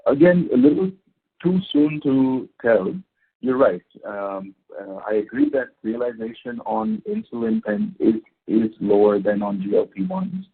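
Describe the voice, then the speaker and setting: A man answering questions as a company executive on a conference call, speaking in halting, unscripted phrases. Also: mid-range voice, big pitch swings, vocal fry, breathy edge. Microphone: phone conference call. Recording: tinny narrow phone line.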